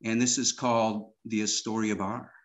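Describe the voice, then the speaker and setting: A man in his sixties reading a poem over a video call from a wood-paneled room at home, slow and halting with many fillers. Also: fairly low pitch, level tone, low-quality recording. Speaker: poet and musician. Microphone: video call webcam.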